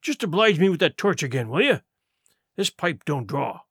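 A man's voice: fairly high pitch, very animated, moderate pace, a bit bright, husky, no echo, studio quality, heavily acted. A man voicing a cunning, scornful pirate sea cook in an audiobook, with emphatic, sarcastic speech in rustic nautical dialect. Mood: sarcastic, mocking. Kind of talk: audiobook character acting.

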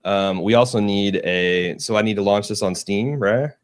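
A man's voice: on the low side, moderate pace, no echo, studio quality. A man co-hosting a podcast in casual chat, joking, swearing freely and laughing often. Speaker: podcast co-host. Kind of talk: casual chat while testing software. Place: small studio. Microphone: studio mic.

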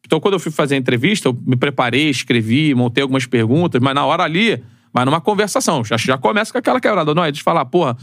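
Brazilian man, 30s, podcast guest, rapid and animated, slightly high, dry sound. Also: dry recording. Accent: Brazilian Portuguese. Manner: fast, animated storytelling with slang. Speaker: podcast guest, football commentator. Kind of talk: casual chat.

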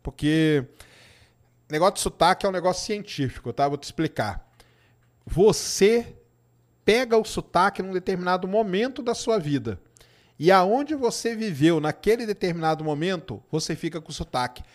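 Pitched high with lively intonation, a middle-aged man from Brazil talks at a moderate pace in Minas Gerais Portuguese. As host of a science live stream, he keeps things chatty and casual, tacking "tá?" onto his answers to viewers' chat questions.

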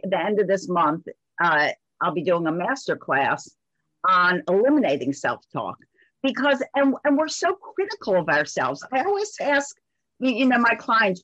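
Older lady hosting a parenting podcast, upbeat delivery, medium pitch. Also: a bit bright, dry recording, muffled recording. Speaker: podcast host and parenting coach.

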